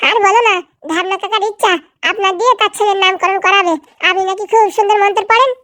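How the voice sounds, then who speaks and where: A woman voicing squeaky, bickering young characters in a comedy cartoon, with a chatty delivery. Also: steady tone, fast, fairly bright tone, dry recording.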